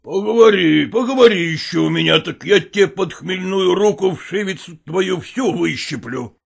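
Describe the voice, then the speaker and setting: A woman reading a story aloud, voicing a rough, bullying husband who drawls his threats slowly. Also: on the low side, expressive, pitched above the performer's own voice, heavily acted. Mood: menacing. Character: rough, bullying working-class husband, grown man. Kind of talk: audiobook character reading.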